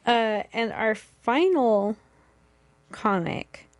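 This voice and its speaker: A woman's voice: on the high side, expressive, drawn-out words, dry recording. A young woman co-hosting a podcast, introducing a comic in a friendly, hesitant way. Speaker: podcast co-host. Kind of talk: casual chat about comics.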